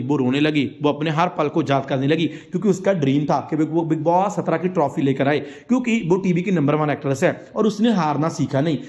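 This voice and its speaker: A man's voice: fairly high pitch, a little mellow, dull audio. A man giving a casual, opinionated recap of reality-show gossip, chatty and often correcting himself mid-sentence. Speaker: entertainment news commentator.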